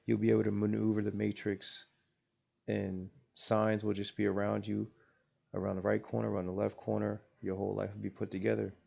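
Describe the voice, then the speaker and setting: A man's voice: fairly low pitch, monotone, a little fast, creaky, a little mellow, breathy edge, lo-fi sound. A man hosting a reaction video, commenting in a philosophical, slangy, musing way.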